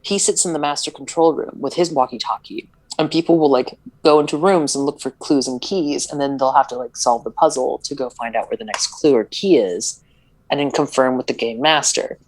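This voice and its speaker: A woman's voice: very deep voice, brisk, a little mellow, poor audio. A woman on a podcast retelling a movie plot in casual chat, full of "like" fillers and stumbles over words. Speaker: podcast co-host.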